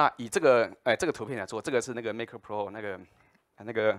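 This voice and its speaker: The background stays quiet. His intonation, that of a man, is fairly even. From Taiwan. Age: 40s. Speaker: maker and businessman; conference speaker. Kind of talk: conference talk. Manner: halting, many fillers. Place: hall. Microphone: handheld.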